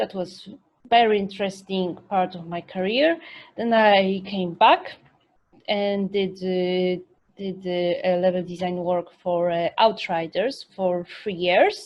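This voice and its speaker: Speaking with a Polish accent at a very slow pace, a woman keeps a medium pitch and fairly even intonation. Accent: Polish accent, non-native English. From Poland. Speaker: game level designer. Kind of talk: conference talk. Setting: self-recorded talk. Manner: halting.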